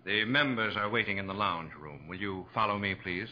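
A man's voice: on the low side, brisk, close to an everyday voice. An actor playing a formal, deferential male club steward in a 1940s radio drama. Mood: polite, formal. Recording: dull, very noisy old 1940s radio recording.

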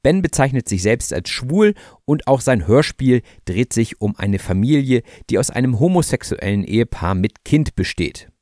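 A man hosting a German-language podcast for learners, speaking in a friendly, clear and measured way. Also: on the low side, darkish tone, no room sound, studio quality. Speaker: podcast host. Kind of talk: relaxed podcast interview.

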